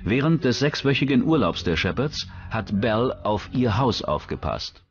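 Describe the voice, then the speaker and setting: A man's voice: mid-range voice, sing-song, normal speed, dull audio, a little hiss or hum. A man reading scripted narration for a true-crime documentary.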